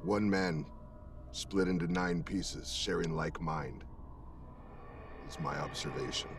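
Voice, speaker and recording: A man voicing a grave, cryptic scholar who speaks slowly and solemnly. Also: rumbling low, vocal fry, over music, voice pushed down, full character voice. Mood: ominous. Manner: slow, solemn, ominous.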